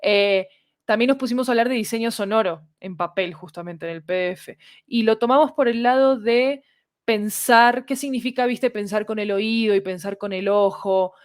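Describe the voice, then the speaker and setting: A woman's voice: mid-range voice, moderate pace. A woman with a Latin American Spanish accent talks casually on a podcast, explaining things and checking in with little tag questions. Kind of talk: casual conversational podcast talk.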